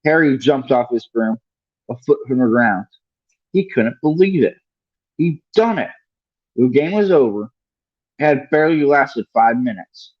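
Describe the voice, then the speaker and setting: A man's voice: mid-range voice, expressive, a little slow, pauses often, breathy edge, no echo, highs cut off. A man reading a story aloud as a livestream host, now and then stumbling over a word and correcting himself. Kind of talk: read-along audiobook narration.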